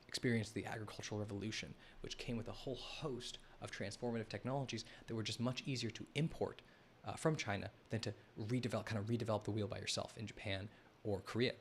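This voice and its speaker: A lower-pitched man hosts a live stream and talks through a map in loose, unscripted commentary. He often stops and restarts his sentences and speaks straight to the chat. A faint hiss sits under the recording. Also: vocal fry. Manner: rambling, self-correcting, addresses the chat. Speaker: host of a live analysis stream.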